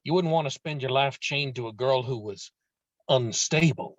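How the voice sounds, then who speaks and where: A man's voice: medium pitch, normal speed, no room sound, natural voice. A man reading a firm, paternal father lecturing his son in a screenplay table read. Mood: firm, persuasive.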